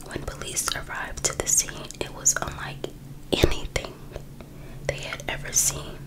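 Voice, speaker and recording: An ASMR creator, a woman, reads a book aloud in a breathy, unvoiced whisper, pausing between short phrases.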